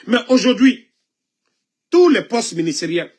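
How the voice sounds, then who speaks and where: A man's voice: sits high, very animated, measured pace, darkish tone. A man giving impassioned political commentary, coughing now and then from a cold, scolding and asking pointed rhetorical questions.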